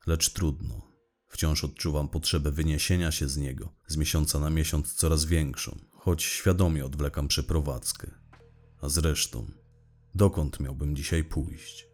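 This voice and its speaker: A man acts out a middle-aged, divorced investigator in an audio drama. His voice is extremely low, and he confesses in formal, bitter, long-winded sentences with weary irritation. Faint music plays behind him. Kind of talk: scripted audio drama monologue.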